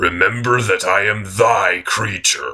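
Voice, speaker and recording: Using a put-on character voice, a man sounds raspy and speaks at a fairly slow pace. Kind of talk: dramatic monologue reading.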